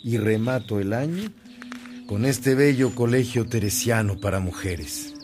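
An actor playing a kindly, zealous Catholic priest in a radio drama, earnest and declamatory. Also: male voice, medium pitch, measured pace, darkish tone, faint music behind, close to an everyday voice. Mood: proud.

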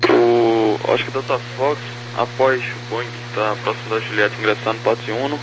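A man's voice: medium pitch, steady tone, moderate pace. Man on noisy walkie-talkie ground frequency. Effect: over walkie-talkie style aviation radio. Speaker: ground controller. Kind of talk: procedural radio taxi instructions. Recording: noisy radio channel with hum.

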